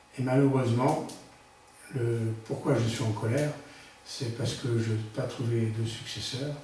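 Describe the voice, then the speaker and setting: Amid noticeable background noise and audible room echo, a man speaks at a fairly slow pace in a medium pitch with monotone, flat intonation. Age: 60s. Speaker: general practitioner doctor. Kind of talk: interview. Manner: hesitant, repeats words.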